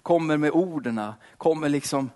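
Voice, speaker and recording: A man's voice: a little high, a little mellow. A man preaching, moving from fervent prayer that repeats "Lord" between phrases into a casual, slangy sermon full of fillers.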